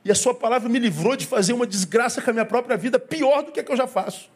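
A man's voice: very high-pitched, fast talker, breathy edge. A man with a Brazilian Portuguese accent, a pastor preaching a sermon and telling a story with acted-out dialogue and lots of repetition. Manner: storytelling, acts out dialogue, repeats phrases.

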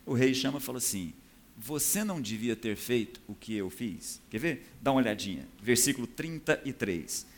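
A man delivers a sermon while explaining a scripture passage. His voice sits at an ordinary middle pitch for a man. He keeps the tone conversational and keeps asking the congregation whether they follow. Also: expressive, normal speed. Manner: conversational, often checks in with the audience. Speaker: preacher.

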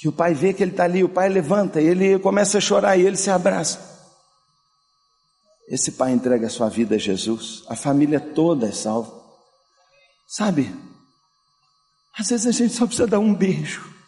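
High-voiced preacher in a reverberant hall. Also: male voice, lively intonation, normal speed, pauses often, faint music behind. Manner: preaching with dramatic swings between loud and soft. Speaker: pastor. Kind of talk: sermon.

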